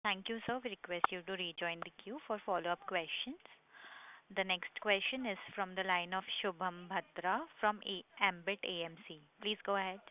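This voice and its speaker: A woman's voice: mid-range voice, normal speed. A woman moderating a conference call as the operator in a formal style. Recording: noisy phone-like conference line.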